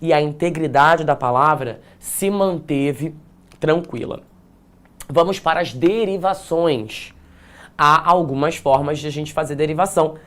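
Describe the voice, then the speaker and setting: A man with a Brazilian Portuguese accent, teaching an online exam-prep lesson in an energetic way, repeating phrases and checking in with his students. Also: on the high side, unhurried.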